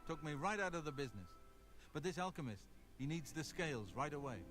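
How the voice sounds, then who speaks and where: An actor playing a gruff, weary old fisherman who grumbles bitterly in scripted video game dialogue. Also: on the high side, expressive, quick pace. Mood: aggrieved. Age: older. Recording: loud music over the voice.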